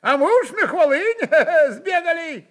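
A man voicing a talkative, impudent old Cossack who brags in a drawling, excitable way in an audio story. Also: extremely high pitch, slow, pitched above the performer's own voice, exaggerated voice. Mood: cheeky bragging.

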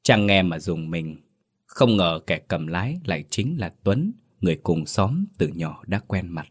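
Deep-voiced man narrating a mournful tale. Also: very animated, unhurried, slightly rough. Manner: solemn, mournful storytelling. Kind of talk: scripted narration of a tragic ghost story.

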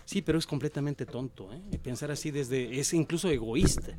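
A man's voice: fairly high pitch, moderate pace, warm tone. A man with a Mexican accent, talking in a casual group conversation, emphatic and opinionated as he tells stories. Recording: faint background noise.

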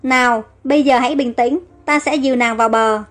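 A woman's voice: high voice, fairly even intonation, brisk, natural voice. A woman voicing a young male pharaoh who is affectionate and reassuring, in a storybook reading. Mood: soothing. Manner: tender, reassuring.

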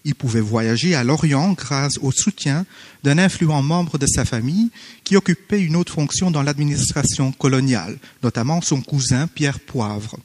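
A man who is not a native French speaker, formally reading a conference paper with hesitant pauses and self-corrections. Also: mid-range voice, darkish tone, long reverb tail. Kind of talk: academic conference paper read aloud. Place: conference hall.

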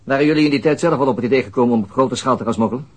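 An actor playing a calm, persistent male detective questioning a suspect in a radio drama, dry and insistent. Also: medium pitch, very fast, breathy edge, close to an everyday voice. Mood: steady. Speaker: interrogating detective.

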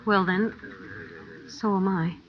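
A woman's voice: medium pitch, steady tone, takes it slowly, muffled recording, close to an everyday voice. Woman playing an earnest sweetheart, noisy old recording. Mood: worried. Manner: earnest, pleading. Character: anxious, loyal young woman, hero's sweetheart. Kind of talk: 1940s radio drama acting.

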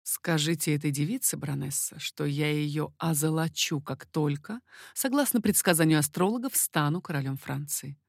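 A woman voicing an amorous, confident king in a storybook reading, lowering her voice and speaking slowly and insistently. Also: vocal fry, no room sound, clean studio sound. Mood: slow persuasive. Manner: low, slow, insistent. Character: amorous middle-aged man, a king, confident and ardent.

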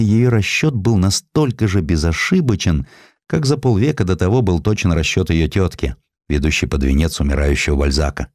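Low male audiobook narrator, dry close sound, telling a history tale with expression. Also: darkish tone, no room sound. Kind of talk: scripted dramatic narration of historical fiction.

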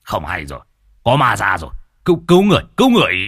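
A man voicing a gruff, boastful older exorcist who talks bluntly. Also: on the low side, lively intonation, a little slow, pushed and bright, dry recording, clean studio sound. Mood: furious. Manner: blunt, mocking.

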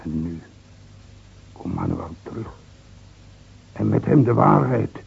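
Creaky-voiced, guilt-ridden villager. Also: male voice, lowish voice, lively intonation, slow pace, full character voice. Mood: grave, confessing. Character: guilt-ridden mountain villager, excitable and conscience-stricken. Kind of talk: Dutch radio drama acting. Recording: dull, faintly noisy old radio recording.

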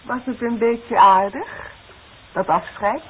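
An actress playing a caring, practical grown daughter who coaxes and gently scolds, in a 1960s radio play. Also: female voice, fairly high pitch, slow pace, slightly rough, full character voice. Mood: concerned. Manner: coaxing, motherly, gently scolding. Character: caring, practical grown daughter soothing her grumbling father. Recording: dull, noisy 1960s radio broadcast.

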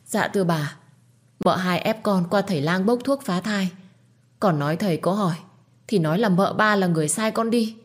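A woman's voice: medium pitch, normal speed, voice pushed up, close to an everyday voice. A woman doing a frightened young servant girl. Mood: fearful pleading. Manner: timid, humble pleading.

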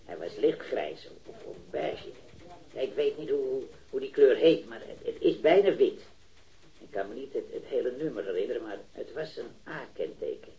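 An actor with a warm, expressive, mid-range voice plays a hesitant male eyewitness in a 1970s radio drama, sounding natural despite a muffled recording. His character, an eager metal worker in his early thirties who witnessed a robbery, stammers, halts and repeats words in an unsure, rambling way.

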